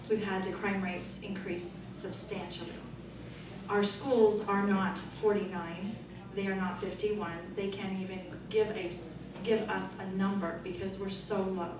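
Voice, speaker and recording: Forthright woman in an echoey hall. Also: mid-range voice. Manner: loud, forthright, conversational. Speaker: political candidate. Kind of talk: candidate forum answers. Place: meeting room. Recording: echoey room from far off, noisy.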